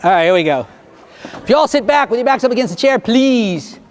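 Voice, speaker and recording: A man's voice: extremely high pitch, lively intonation, a little fast. A man performing as a stage hypnotist, giving rhythmic, repetitive commands to volunteers in front of a live audience. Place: theater stage before an audience. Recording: live show with audience and noise.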